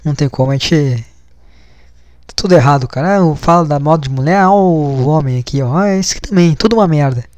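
A man's voice: a little high, a little fast, a little mellow, no room sound. A man giving casual reaction commentary, mocking and exasperated, swearing often. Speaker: video commentator.

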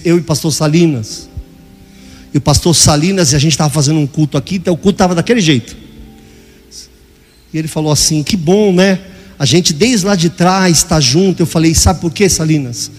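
An older man preaching a sermon as pastor, dramatic, acting out voices and sometimes shouting. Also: on the high side, brisk, in a large hall, soft background music.

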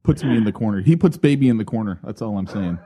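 A man's voice: lowish voice, animated, fast talker, dark tone, breathy edge. A man co-hosting a podcast, joking and self-deprecating in casual banter before asking the guest questions. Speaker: podcast co-host.

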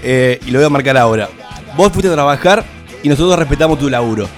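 A man, co-hosting a radio show with quick-fire teasing banter. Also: medium pitch, animated, soft background music. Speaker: radio co-host. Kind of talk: casual studio banter.

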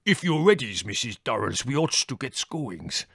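A gruff, burly storybook driver with a slow, mangled broken English, put on by a man narrator. The sound is close and dry, without room echo. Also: medium pitch, big pitch swings, fairly bright tone, heavily acted.

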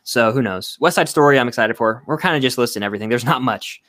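Young man, podcast co-host, quick talker, mid-pitched, rambling, dry close sound. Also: fairly bright tone, dry recording. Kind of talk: casual chat.

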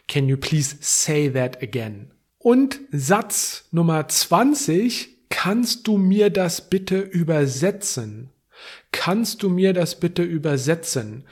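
A man teaching phrases on a podcast, his voice sitting a little high. He speaks slowly and deliberately, repeating each phrase so the listener can follow. He switches between the lesson phrases and English explanations. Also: darkish tone. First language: German. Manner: slow, clear repetition of phrases, explaining in English. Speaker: language podcast host. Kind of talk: slow bilingual language lesson.

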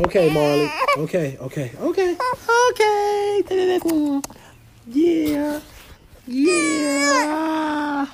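A man in his thirties, a father and podcast host, venting in a rambling, earnest way and talking straight to his listeners. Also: fairly high pitch. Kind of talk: casual venting monologue. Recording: noisy background.

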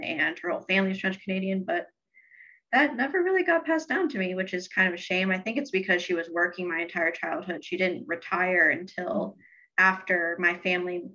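A young woman talks as a podcast guest in a steady, thoughtful way. Her voice is fairly low but bright and forceful. The recording sounds dull and lo-fi. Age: young adult. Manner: thoughtful, steady, some ums. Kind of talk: casual interview chat.

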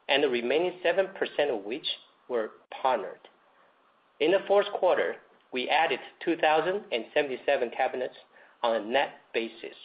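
A man in the role of a company executive, reading a scripted earnings presentation in a formal, measured way. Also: mid-range voice. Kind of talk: scripted earnings call presentation, read aloud. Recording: dull lo-fi conference call audio.

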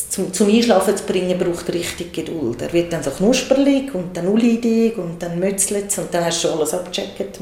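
A woman with a Swiss German accent calmly explaining how to soothe and talk to small children in a casual conversation. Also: on the low side, reverberant, a little hiss or hum. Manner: calm, explanatory, acts out soothing words to a baby.

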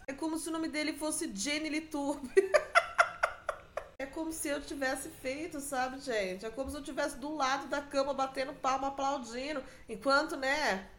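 A woman's voice: high voice, steady tone, normal speed, a bit bright, echoey room, a little hiss or hum. A Brazilian woman hosting a podcast alone, chatting casually and mockingly with frequent laughs. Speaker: podcast host. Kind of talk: casual gossip monologue. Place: room at home.

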